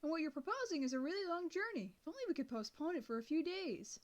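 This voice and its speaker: A cautious teenage girl reasons things through calmly, as a woman reader voices her. The voice sits fairly high with lively pitch. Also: fast.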